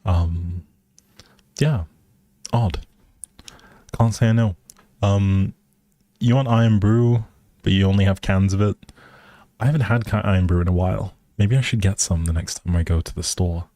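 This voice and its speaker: A man's voice: deep voice, fairly even intonation, moderate pace, long pauses, dark tone, no echo, studio quality. A man casually chatting with viewers as he hosts a game stream, easygoing and rambling in a hesitant way. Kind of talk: casual chat with viewers while gaming.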